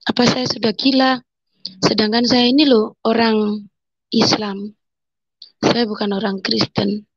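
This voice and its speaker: A woman giving an emotional personal conversion testimony, telling her story haltingly and voicing her own thoughts as she speaks. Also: mid-range voice, dry recording, muffled recording. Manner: emotional, halting storytelling with quoted inner speech.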